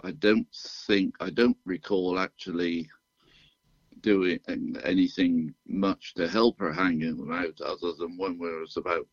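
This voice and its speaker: Deep-voiced older British man, dry humor. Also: fairly even intonation, no echo, dull audio. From United Kingdom. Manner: unhurried, self-deprecating, with frequent restarts and dry humor. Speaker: guest, retired physician and writer. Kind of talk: relaxed radio interview chat.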